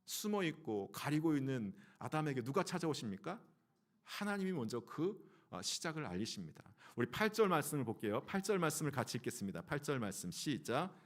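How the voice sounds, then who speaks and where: A man's voice: fairly high pitch, big pitch swings, fairly quick. A man, a pastor, preaching a Sunday sermon. He asks the congregation questions and acts out quoted lines in a changed voice. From South Korea. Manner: fillers and restarts.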